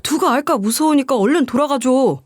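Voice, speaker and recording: A woman's voice: fairly high pitch, expressive, moderate pace, no echo, studio quality, voice pushed up, close to an everyday voice. A woman voicing a cold young lawyer son. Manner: curt and dismissive. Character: cold young male lawyer ashamed of his mother.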